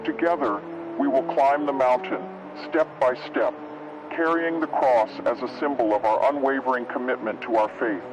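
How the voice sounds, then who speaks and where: A man's voice: mid-range voice, moderate pace, close to an everyday voice. A man playing the devout leader of an apocalyptic Christian group, making a solemn, earnest proclamation. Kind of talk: scripted solemn rallying proclamation. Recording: dull lo-fi radio sound, loud music.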